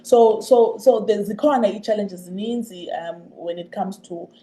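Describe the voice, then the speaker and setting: A woman with a Xhosa South African accent explaining in a radio interview, haltingly and with repeated words. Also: mid-range voice, dark tone, low-quality recording. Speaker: programme representative being interviewed. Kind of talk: radio interview, mixing two languages.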